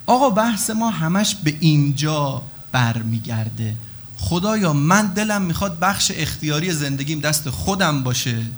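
A male cleric preaching a sermon, talking animatedly and acting out dialogues between people and God. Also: fairly high pitch.

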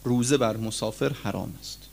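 A man preaching a sermon to his listeners, with sudden loud rises and low drops as he addresses them as friends. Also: creaky. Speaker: cleric preacher.

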